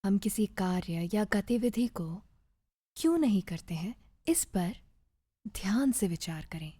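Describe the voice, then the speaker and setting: A woman narrating a guided meditation in a soft, breathy, soothing voice, measured and with gentle pauses. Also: medium pitch, animated, no echo.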